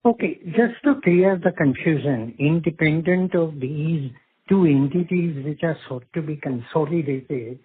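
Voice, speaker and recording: A man with an Indian accent asking questions on a business conference call in a halting, methodical way, as an investor or analyst. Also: fairly high pitch, a little hiss or hum. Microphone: phone conference call. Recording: narrow, tinny phone line.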